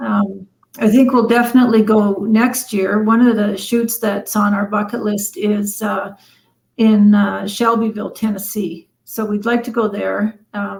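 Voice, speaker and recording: Somewhat breathy and fairly high, a woman's voice moves at a fairly slow pace in monotone, flat intonation, with a western Canadian accent. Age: 60s. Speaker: mounted shooter and leatherworker. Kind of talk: podcast interview. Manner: halting, many fillers.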